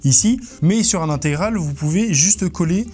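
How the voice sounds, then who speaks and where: Male presenter for casual gear review: fairly high-pitched, chatty and informal, joking at his own expense, soft music underneath. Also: animated, moderate pace, slightly rough. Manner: informal, playful, self-mocking. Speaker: presenter of a motorcycle gear video. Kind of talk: casual product review to camera.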